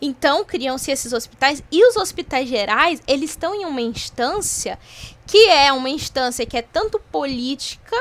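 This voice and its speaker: A woman in a Brazilian accent, high-pitched and animated, with lively intonation at a moderate pace. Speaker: psychology lecturer. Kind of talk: online class lecture.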